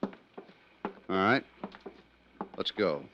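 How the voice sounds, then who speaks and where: An actor playing a steady, practical police inspector in a 1950s radio crime drama, speaking plainly and in a businesslike way. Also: male voice, sits low, drawn-out words, lo-fi sound, soft background music, exaggerated voice. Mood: tense, quiet. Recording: noisy vintage radio recording.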